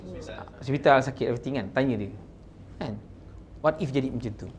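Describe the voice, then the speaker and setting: A fast-talking man with a mid-range voice and a Malaysian accent coaches insurance agents through a sales training talk. He mixes in English terms with his Malay, emphasizes words lively, and repeatedly asks "kan?"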